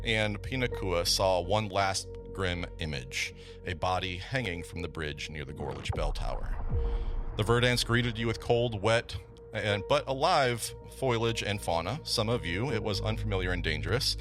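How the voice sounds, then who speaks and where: A man's voice: lowish voice, normal speed, music in the background. A man hosting a tabletop game podcast as game master, chatting casually and recapping the story, with frequent stumbles and laughs. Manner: chatty, stumbling over words, laughs often.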